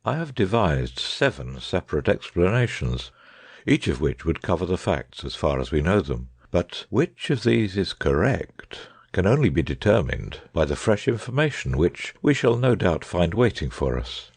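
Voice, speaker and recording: A man reading the lines of a grave, lecturing male detective in an audiobook, in a husky voice, measured and darkly earnest. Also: sits low, very animated, no room sound, voice pushed down, full character voice. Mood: calm. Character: grave, brooding male detective, middle-aged.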